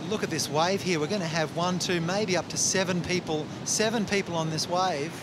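A high-pitched man talks with hardly any pauses over noticeable background noise. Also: very even loudness. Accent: Australian. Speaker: sports commentator. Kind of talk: live sports commentary. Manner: quick, excitable race-calling.

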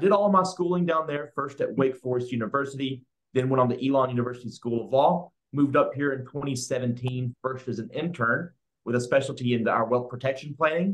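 In a North Carolina accent, a man speaks at a medium pitch with ordinary pitch variation. His pace is fairly quick, and the background is quiet. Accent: Southern US (North Carolina). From US South, North Carolina (Mount Airy). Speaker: estate planning attorney. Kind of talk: webinar presentation. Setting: video call. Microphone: webcam.

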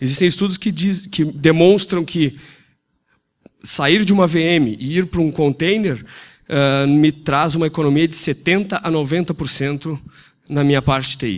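A man with a fairly high pitch and ordinary pitch variation talks with long, frequent pauses. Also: fairly slow pace. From southern Brazil. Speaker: tech startup CTO; conference presenter. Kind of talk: conference talk. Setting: stage with audience. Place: hall.

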